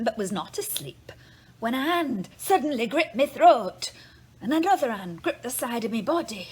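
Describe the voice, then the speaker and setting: A woman playing an earnest, frightened nursemaid of the 1910s, telling a ghost account in a measured, theatrical way. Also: medium pitch. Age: middle-aged. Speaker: actor in a dramatic reading. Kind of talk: dramatic reading of a first-person ghost account. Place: indoors, large living room. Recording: clear background noise, room ambience.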